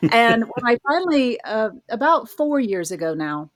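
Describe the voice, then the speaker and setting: A middle-aged woman, a horror writer and college professor, tells her own story as a guest on a podcast, articulate and self-deprecating in a casual interview. Her voice is a little high, with big pitch swings and a measured pace, and there's no room sound.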